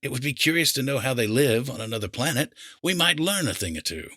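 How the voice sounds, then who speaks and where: A man's voice: medium pitch, lively intonation, quick pace, sharp tone, no room sound, studio quality, voice pushed up. A man voicing a cheerful, chatty neighbour in an audiobook, with a genial, folksy, old-fashioned way of talking. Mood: curious. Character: cheerful, chatty male neighbour, an enthusiastic gardener. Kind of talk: audiobook character acting.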